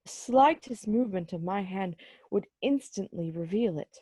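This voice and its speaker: A frightened, remorseful old miser played by a woman speaks solemnly in an amateur story play. The voice is mellow and close, with a dry sound. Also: medium pitch, animated, moderate pace, husky, no echo. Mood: horrified. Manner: solemn, theatrical. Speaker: library staff reader in a play. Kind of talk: amateur dramatised reading.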